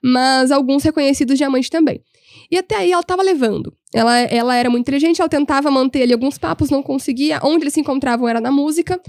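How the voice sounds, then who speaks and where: A young woman, a podcast guest telling history stories in an animated, humorous way. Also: sits high, fast talker, no echo, clean studio sound. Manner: animated, humorous, voices quoted people. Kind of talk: casual storytelling chat.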